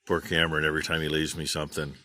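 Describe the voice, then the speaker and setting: Low-voiced folksy farmer vlogger. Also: male voice, monotone, rapid-fire, bright, forceful tone. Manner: folksy, rambling, plain-spoken. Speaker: farm channel vlogger. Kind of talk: casual rambling shout-outs.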